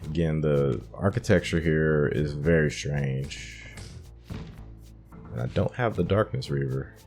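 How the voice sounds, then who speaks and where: A man's voice: a bass voice, a little slow, darkish tone, faint music behind. A man giving casual gameplay commentary, thinking aloud as he plays. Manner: thinks aloud, musing to himself. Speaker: gaming host narrating a playthrough.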